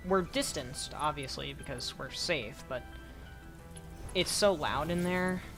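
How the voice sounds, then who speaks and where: A hoarse young woman streaming a game, rambling casually and talking to herself as she plays. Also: deep voice, slow, over music. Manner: rambling, talks to herself while playing. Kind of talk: casual gameplay commentary.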